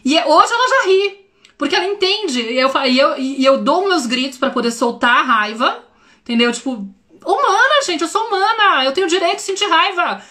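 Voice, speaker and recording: Woman, 30s, parenting educator hosting a casual live stream; chatty and expressive, a little high-voiced. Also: a little fast. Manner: expressive, chatty, addresses viewers often.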